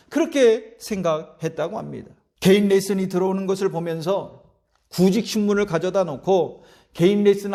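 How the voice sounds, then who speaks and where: A male pastor giving a sermon, telling a story earnestly and moving between loud emphasis and hushed drops. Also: high-pitched, creaky.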